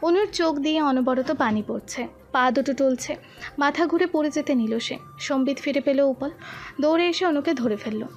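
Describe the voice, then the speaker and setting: A woman narrates a romantic audio story in a high, clear voice. Her delivery is steady and expressive, with soft music playing faintly underneath. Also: normal speed.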